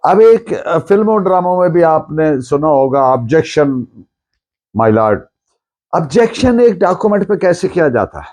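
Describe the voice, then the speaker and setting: A man with a Pakistani accent speaks in a soft, mellow tone, pitched a little high. He lectures like a teacher, deliberate and didactic, restating key phrases so they are clear. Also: very animated. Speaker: law lecturer. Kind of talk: explanatory lecture mixing Urdu with English legal terms.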